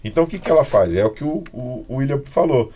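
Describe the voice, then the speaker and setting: A man's voice: mid-range voice, fast, slight background noise. A man from Brazil hosting a podcast, telling stories about his daughter in casual chat and acting out the kids' voices. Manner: animated storytelling, mimics his daughter and kids. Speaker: podcast host.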